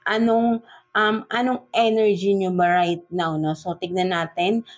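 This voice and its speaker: A woman's voice: mid-range voice, little pitch movement. A woman with a Filipino accent giving a casual tarot reading in Taglish, chatty and full of fillers, often tagging her sentences with "no?" and "right?". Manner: chatty, slow, filler-heavy Taglish with frequent "no?" and "right?" tags. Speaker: tarot reader.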